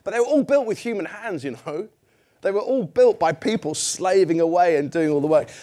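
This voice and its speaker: A man's voice: high voice, lively intonation, fairly quick, mellow. A middle-aged man preaching a sermon in a church, conversational and self-deprecating, putting questions to the congregation.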